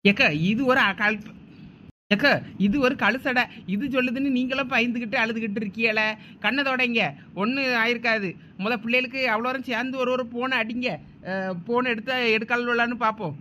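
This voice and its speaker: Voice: mid-range voice, fairly even intonation, fairly quick, bright, forceful tone, slight background noise, natural voice. A performer voicing a level-headed village neighbour in a comic cartoon, speaking with a Thoothukudi Tamil accent and a firm, scolding, soothing manner.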